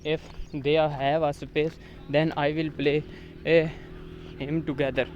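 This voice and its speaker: A man whose first language is Urdu talks to the camera outdoors in hesitant English, pausing often on filler sounds. His voice sits a little high. Faint traffic and outdoor noise run underneath. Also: little pitch movement, highs cut off. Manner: halting non-native English, frequent uh fillers. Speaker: vlogger. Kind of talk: casual outdoor vlog. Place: outdoors in a village near a road.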